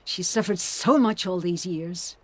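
A woman's voice: fairly low pitch, a little slow, a little mellow, no room sound, rough recording. An actress playing a self-pitying elderly mother-in-law in an audio drama, with a martyred, disapproving manner. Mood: bitter, disapproving. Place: studio booth. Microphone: studio condenser with pop filter.

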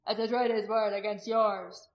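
A woman voicing a defiant male tribal warrior in an audiobook, blunt and forceful, crying out his words. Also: medium pitch, level tone, unhurried, roomy sound, lightly acted, poor audio. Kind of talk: dramatic audiobook character acting.

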